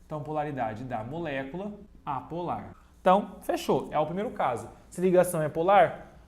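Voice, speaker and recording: Joking chemistry teacher. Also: male voice, a little high, lively intonation, fairly quick, darkish tone. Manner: playful, cracks jokes and teases himself between explanations; repeats key points step by step, addresses students directly. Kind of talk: online video lesson at a digital whiteboard.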